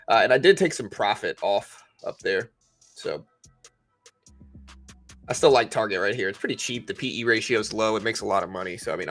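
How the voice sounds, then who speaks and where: A man's voice: fairly low pitch, fairly bright tone. A man hosting a livestream, casually commenting on the stock market and explaining things conversationally as he answers viewers. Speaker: livestream host.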